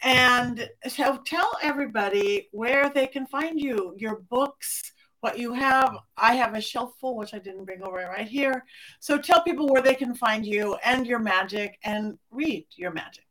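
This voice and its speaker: Excitable female host, bright higher voice, gushing. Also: a little slow, rough recording. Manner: bubbly, excitable. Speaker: show host. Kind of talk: casual interview chat.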